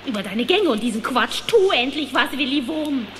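High bossy worm wife, kids radio play, really animated, noisy tape. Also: female voice, moderate pace. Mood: scolding. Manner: scolding, dramatic. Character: bossy, practical worm wife, nagging yet caring. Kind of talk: German children's audio drama acting.

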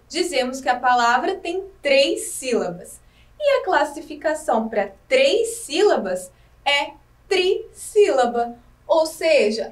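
High, lively woman teaching young kids. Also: distant mic. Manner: slow, clear, encouraging teacher talk with questions to the pupils. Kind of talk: recorded lesson for young children. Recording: echoey room, voice from off the mic.

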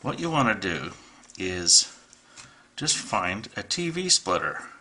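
Easygoing middle-aged man with a bright tone. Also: deep voice, slow pace. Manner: relaxed, hesitant with many ums and restarts. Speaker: radio hobbyist demonstrating gear. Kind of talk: casual how-to video. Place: home radio room, at a table.

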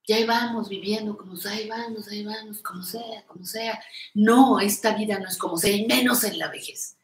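A woman's voice: mid-range voice, a little fast. An older woman hosts a live stream, reading viewers' comments aloud and answering them in an encouraging, affectionate way. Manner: warm, encouraging, calls viewers "reina". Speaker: host of a live show on creative aging. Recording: echoey room.

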